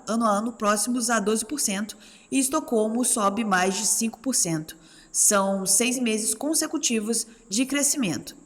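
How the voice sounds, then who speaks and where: A Brazilian woman hosts a news podcast, reading reports aloud in a medium-pitched voice. She slips into casual asides between formal passages. The sound carries a lingering, hall-like reverb. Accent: Brazilian Portuguese.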